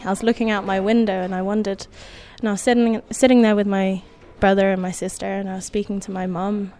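A woman born in Indonesia, whose first language was Indonesian, telling a personal story in an unhurried, wry way with soft laughs. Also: medium pitch, flat delivery.

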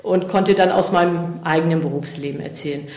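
Low-voiced woman, hesitant interviewee. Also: brisk, a little mellow, roomy sound. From East Germany. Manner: hesitant, many fillers and restarts. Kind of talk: reflective interview answers.

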